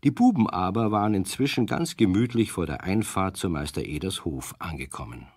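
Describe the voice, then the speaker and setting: A man's voice: low-pitched, expressive, a little fast, a little mellow, husky. A man acting as the storyteller of a children's radio play, narrating a scripted tale. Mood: storytelling.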